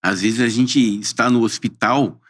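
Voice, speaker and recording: A man, a podcast guest speaking in a measured, earnest way. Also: mid-range voice, a bit bright. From southern Brazil. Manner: measured, earnest, often says "perfeitamente". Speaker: interview guest. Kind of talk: interview chat.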